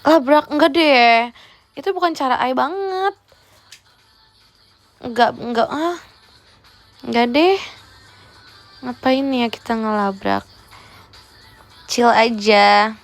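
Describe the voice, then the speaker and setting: A woman's voice: high voice, expressive, takes it slowly, pauses often, soft background music. A young woman, chatting teasingly in a playful role-play livestream and dropping in English words. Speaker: idol livestreamer.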